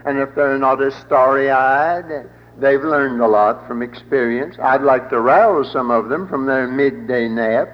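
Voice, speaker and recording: A man's voice: medium pitch, unhurried. An older man preaching a sermon with a folksy, wry humor and a rolling preacher's cadence. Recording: dull old broadcast in a reverberant hall.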